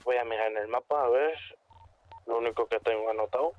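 A man's voice: medium pitch, fairly even intonation, fairly quick. A man talking casually with teammates during an online roleplay game. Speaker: gamer playing in a roleplay group. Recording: dull voice chat, faint noise.

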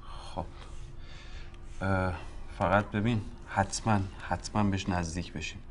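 An actor playing a businesslike man in a film drama who runs a quick test of a recording. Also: fairly even intonation, slight background noise, lightly acted. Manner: low-key and businesslike. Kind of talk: Iranian film drama acting.

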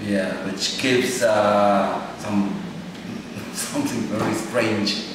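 A man in his fifties whose first language is Estonian, a composer answering interview questions in English with halting, animated phrasing and many fillers, in a small room. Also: fairly low pitch. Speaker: composer and performer. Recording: echoey room, distant mic, noisy.

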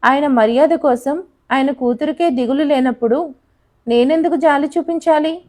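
A woman's voice: high-pitched, normal speed, a little mellow, lightly acted. A woman voicing an arrogant, contemptuous young rich man in an audio story, speaking curtly and scornfully. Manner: curt, scornful.

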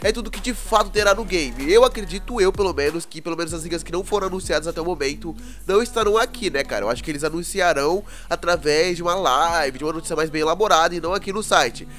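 A young Brazilian man with a cold, his voice congested and hoarse, chatting casually through gaming news and constantly checking in with viewers. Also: on the high side, fast, few pauses, fairly bright tone, faint music behind. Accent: Brazilian Portuguese. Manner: chatty, keeps asking the viewers "né, cara?". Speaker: gaming YouTuber.

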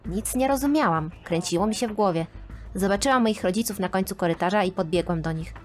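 A woman reading a scripted first-person animated story aloud, with expressive, dramatic storytelling. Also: medium pitch, fast talker. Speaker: narrator. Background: faint background music.

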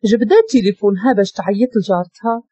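A woman with a Moroccan accent narrating a dramatic story in an expressive reading. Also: mid-range voice, quick pace, husky, no room sound. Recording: dull lo-fi dry recording.

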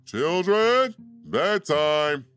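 A man playing a gentle, courteous adult werewolf doctor and father in an audio drama, speaking tenderly and politely. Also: a little high, sing-song, extremely slow, faint music behind, heavily acted. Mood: fatherly. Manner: tender, polite, soft-spoken storyteller.

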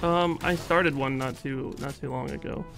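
A young man in his twenties talking casually through a headset while gaming, soft-spoken and a bit hesitant, with game sounds and guitar music behind him. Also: mid-range voice, steady tone, normal speed, creaky. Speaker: streamer and singer. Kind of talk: casual gaming chat with strangers.

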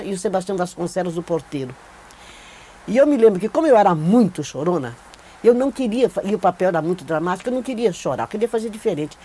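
Recorded on a clip-on lapel mic in an indoor studio with a plain backdrop, an older Brazilian actress recalls her career for an oral-history interview. Her voice sits on the low side and sounds mellow, with slight background noise. She tells it animatedly, leaning on emphatic repetition.

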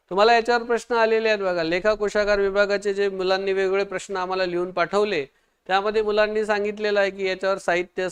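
A man teaching an online exam-prep lesson, quizzing viewers, urging quick answers and praising their comments. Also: high-pitched, clean tone.

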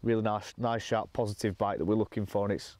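A young man talking casually to camera while fishing from a lake bank outdoors, explaining his session in a relaxed, matter-of-fact way. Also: fairly low pitch, fast, dry recording. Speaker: angler presenting a fishing session.

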